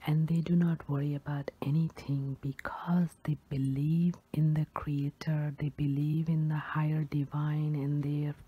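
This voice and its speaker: A woman softly whispering a soothing pep talk of first-person affirmations, as in an ASMR meditation, in a breathy voice. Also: deep voice, flat delivery, unhurried, few pauses, phone-quality sound.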